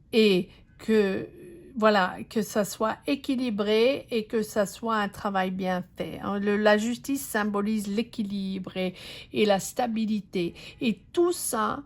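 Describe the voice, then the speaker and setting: A woman's voice: mid-range voice, slow pace. A woman giving an intuitive tarot reading, speaking to the viewer in a hesitant, reassuring way, with many fillers and restarts. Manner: reassuring, addresses the viewer directly. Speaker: tarot reader.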